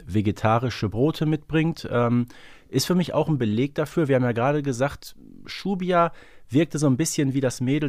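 Male podcast co-host, reflective casual discussion, mid-pitched voice in a dry recording. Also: darkish tone, no room sound.

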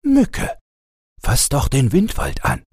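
Man playing a playful father, husky and animated. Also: mid-range voice, takes it slowly, no room sound, studio quality, voice pushed up, exaggerated voice. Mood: calling out. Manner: calling out, gently chiding. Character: playful, fond father calling to his children.

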